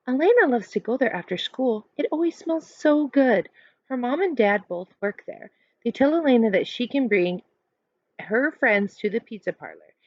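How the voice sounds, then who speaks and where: A woman in her thirties reading a children's book aloud like a teacher, expressive and instructive, pausing to explain. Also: fairly high pitch, no room sound. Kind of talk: read-aloud storytelling with explanations. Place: small furnished room indoors at home. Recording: dull lo-fi webcam sound.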